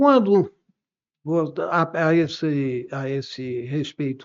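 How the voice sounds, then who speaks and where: This is a man talking at a fairly high pitch. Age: 80s+. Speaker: lawyer. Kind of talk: interview. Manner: halting.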